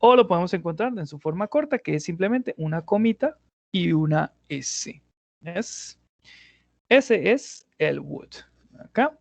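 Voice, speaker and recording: A man's voice: sits high, animated, a little slow, gravelly, no room sound. A male English teacher explaining grammar in an online class, patiently going step by step and often checking in with his students.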